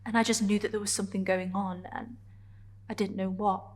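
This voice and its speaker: A woman performing a dramatic stage monologue as a vulnerable, defiant gay woman confronting a partner, in halting, emotionally charged phrases. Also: medium pitch, little pitch movement, natural voice. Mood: quiet, confessional.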